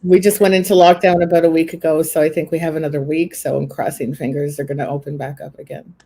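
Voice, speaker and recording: Raspy Canadian woman chatting. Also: low-pitched, level tone, quick pace, dark tone. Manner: laughing, frank, stammers into sentences. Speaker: guest performer. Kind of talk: casual podcast chat.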